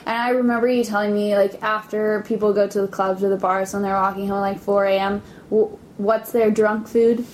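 A woman's voice: mid-range voice, level tone, moderate pace, few pauses, darkish tone, a little hiss or hum, poor audio. Easygoing young woman asking questions. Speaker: interviewer. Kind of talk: casual interview.

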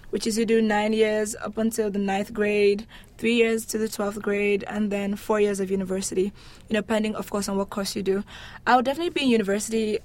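A young Nigerian woman, a university student with a Nigerian accent, answers interview questions in a lively, emphatic, casual manner. Her voice is medium in pitch.

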